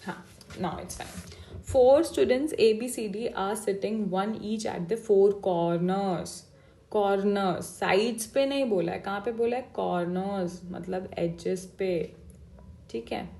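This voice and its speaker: Lady teacher going slow thru a reasoning class, hindi english mix, echoey room. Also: mid-range voice, gravelly, warm tone. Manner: explains step by step, mixing Hindi and English, checks in with "theek hai". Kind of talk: exam-prep class lesson.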